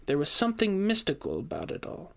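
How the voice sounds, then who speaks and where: A man's voice: a little high, huge pitch swings, fast, creaky, a bit bright, pitched above the performer's own voice, exaggerated voice. A man reading a storybook, voicing an anxious widow who pleads for help with an urgent manner. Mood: pleading.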